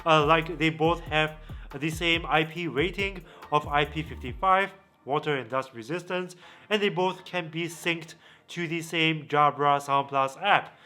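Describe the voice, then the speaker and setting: A man presenting a product review as a vlog host, with deliberate phrasing and pauses for emphasis. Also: fairly high pitch, bright, forceful tone, soft background music.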